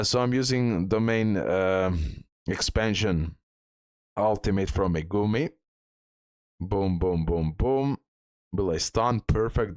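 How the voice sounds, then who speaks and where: Low-voiced man giving game commentary. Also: no room sound, studio quality. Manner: repeats phrases for emphasis. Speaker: gaming guide creator. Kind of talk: casual game walkthrough commentary.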